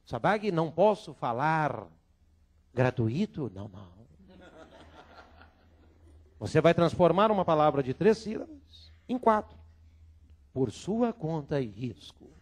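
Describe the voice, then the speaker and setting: A man's voice: a little high, very animated, takes it slowly, long pauses. A man teaching Portuguese grammar to law students, drilling them with call-and-response repetition in a filmed lecture room.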